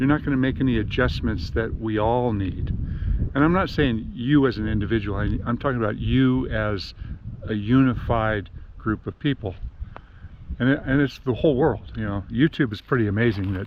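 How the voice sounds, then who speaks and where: A man with an American accent talks at a moderate pace and a fairly low pitch. His intonation is lively, and there is noticeable background noise. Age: 60s. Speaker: arborist. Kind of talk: casual monologue to camera. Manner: rambling with hesitations.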